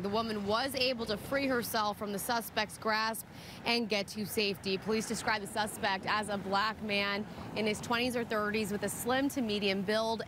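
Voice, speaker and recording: A woman delivering a scripted live news report from outdoors in the city. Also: mid-range voice. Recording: clear street and vehicle noise.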